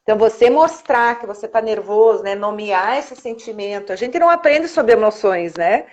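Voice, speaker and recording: A woman's voice: fairly high pitch, expressive, normal speed, a little mellow. A Brazilian woman chatting on a live video call, explaining things earnestly with frequent tag questions. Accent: Brazilian Portuguese. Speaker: guest. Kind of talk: casual live-stream chat. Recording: dull lo-fi live-stream audio.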